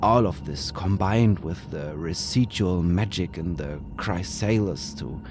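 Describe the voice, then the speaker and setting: A man whose first language is German, slowly reading a scripted horror story with deliberate, dramatic pauses. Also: deep voice, a little mellow. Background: music.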